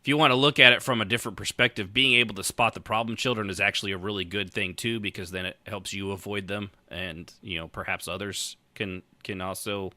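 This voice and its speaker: A man's voice: fairly low pitch, fairly even intonation, a little fast, few pauses, pushed and bright, no echo. A man hosting a casual podcast, rambling and often circling back over his own phrases. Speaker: podcast host.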